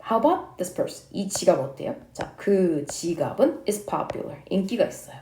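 Lady teaching english, slow careful reading, bouncy pitch, echoey room. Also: big pitch swings, mellow, slight background noise. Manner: reads English lines slowly, explains each in Korean. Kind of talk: English lesson, reading and translating dialogues.

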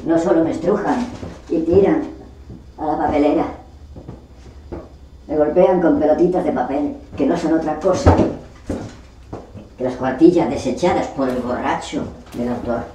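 A woman performing a theatrical monologue as a discarded literary character, bitter, self-pitying and indignant, lamenting with dramatic pauses. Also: deep voice, mellow, close to an everyday voice. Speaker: actor rehearsing a monologue. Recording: distant mic, echoey room, faint noise.

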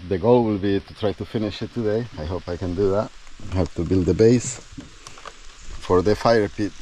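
Slow, low-voiced man thinking aloud outdoors. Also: darkish tone, a little hiss or hum, low-quality recording. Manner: thinking aloud in short, trailing phrases. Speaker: outdoor bushcraft video host. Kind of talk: casual talk while working. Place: outdoors at a building site.

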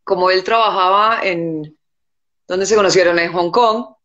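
A woman, answering calmly as a guest on a live video chat from home. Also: lowish voice, unhurried, highs cut off. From born in the United States, raised in Colombia. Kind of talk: casual live-stream chat. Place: indoor room at home.

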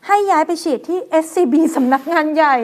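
A woman co-hosting a news show, chatting and reading out schedules with soft polite particles. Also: high-pitched, fast.

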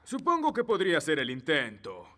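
A man's voice: fairly high pitch, wildly swooping pitch, normal speed, sharp tone, exaggerated voice. An actor playing a bumbling, slightly pompous fairy king and father in a children's cartoon, with a Latin American Spanish accent. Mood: pompous, unsure. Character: bumbling, self-assured middle-aged fairy king and father. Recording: music behind the dialogue.

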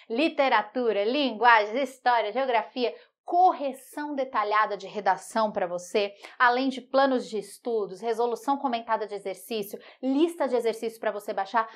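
A young woman teaching an online writing lesson, lively and teasing, asking the viewer rhetorical questions. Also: on the high side.

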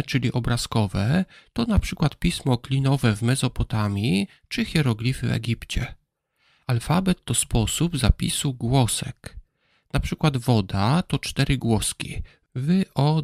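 A man presenting a Bible history program, giving calm, scripted explanations and spelling out letters slowly. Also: medium pitch, gravelly, no room sound, clean studio sound. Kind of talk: scripted educational narration.

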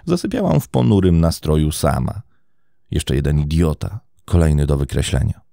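A man's voice: very deep voice, expressive, normal speed, creaky, mellow, dry recording, clean studio sound, heavily acted. A man reading the lines of a disappointed woman in her fifties in a weary, bitter tone.

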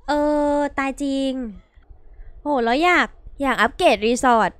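A woman hosting a casual gameplay video, chatty and playful, talking straight to her viewers with quick exclamations. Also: sits high, lively intonation, a bit bright, no room sound. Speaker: gaming video host. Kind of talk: casual let's-play commentary.

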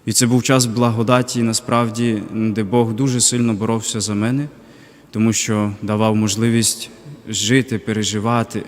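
A young man, a deacon, giving a reflective personal faith testimony in a halting way, pausing often. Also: fairly low pitch, flat delivery, long reverb tail. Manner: reflective, halting, with pauses and fillers. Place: cathedral parish.

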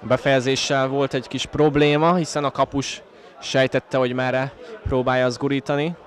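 A Hungarian man gives conversational live football commentary in a mid-pitched voice. He is recorded outdoors at a stadium, with clear crowd noise behind him. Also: little pitch movement. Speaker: football commentator for the home team.

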